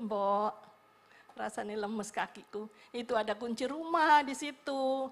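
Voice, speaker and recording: Lively woman preacher. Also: on the high side. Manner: lively storytelling, acting out the people in her story. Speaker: evangelist preacher. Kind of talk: sermon testimony. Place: church service.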